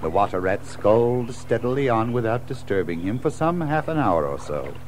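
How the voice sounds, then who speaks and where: Expressive male storybook narrator. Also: lowish voice, normal speed, slight background noise. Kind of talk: dramatic children's storybook narration.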